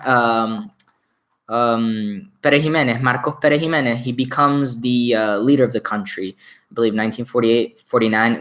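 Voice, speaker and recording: A man's voice: mid-range voice, fairly bright tone. A young man from Venezuela, a native Spanish speaker, talking casually on a home livestream with many restarts and fillers. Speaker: live stream host. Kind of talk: casual history livestream talk.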